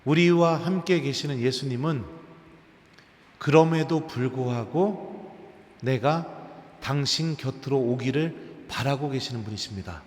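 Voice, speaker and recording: A man's voice: mid-range voice, measured pace, pauses often. A man, a Catholic priest, giving a lecture to a live audience and telling funny stories while quizzing his listeners. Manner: lively humorous storytelling with quiz questions to the audience. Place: large cathedral. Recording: long cathedral reverb.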